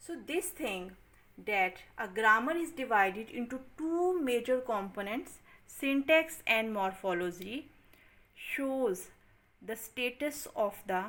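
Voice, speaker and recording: A woman speaking very slowly with very wide pitch swings, on a very clean recording with a silent background. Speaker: English grammar teacher. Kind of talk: tutorial. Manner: deliberate, with clear pauses.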